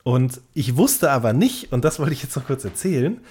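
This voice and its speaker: A male podcast co-host with a slightly rough, husky voice at a medium pitch. His intonation moves around a lot as he chats off the cuff, feeling his way through explanations and rewording as he goes. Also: big pitch swings, normal speed, darkish tone. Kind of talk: casual unscripted podcast chat.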